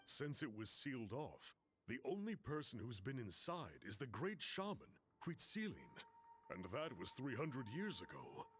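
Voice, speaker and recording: A man playing a casual, talkative tribal guide in a video game, explaining things in a chatty way with a slightly husky voice. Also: medium pitch, very animated, a little slow, a bit bright, a little hiss or hum. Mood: storytelling. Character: laid-back tribal guide man, talkative graffiti art enthusiast.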